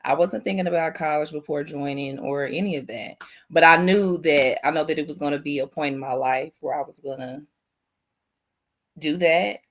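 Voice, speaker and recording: Young woman guest, low gravelly voice, reflective and soft-spoken. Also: normal speed. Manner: thoughtful, repeats phrases, soft spoken. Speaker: guest, veteran and business owner. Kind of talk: reflective interview answers.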